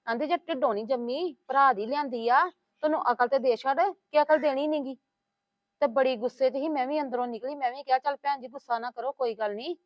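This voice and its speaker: Brief: actress as a complaining housewife, high voice, dull dry audio. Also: female voice, no room sound, close to an everyday voice. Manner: complaining, gossiping, soothing. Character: talkative scheming woman, middle-aged housewife. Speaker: housewife in a family drama. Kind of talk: web series acting. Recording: dull lo-fi sound.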